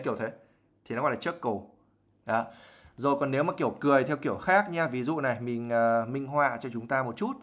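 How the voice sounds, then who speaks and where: Guy doing a live english vocab lesson, chatty, explains stuff, tosses in english words, mid pitch. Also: a bit bright. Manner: laughs and acts out examples while explaining. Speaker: IELTS teacher.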